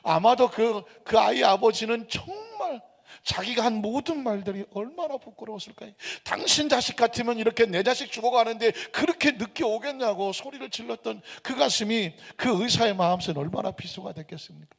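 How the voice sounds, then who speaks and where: A man's voice: very high voice, brisk, vocal fry, few pauses, a bit bright. A male pastor delivering a Sunday sermon, telling a story with emphasis and asking the congregation rhetorical questions. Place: church sanctuary. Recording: reverberant church sanctuary.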